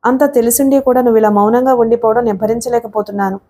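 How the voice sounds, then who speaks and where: Stubborn hurt young wife, reproachful, read by a woman narrator, mellow voice. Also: fairly high pitch, steady tone, quick pace, lightly acted.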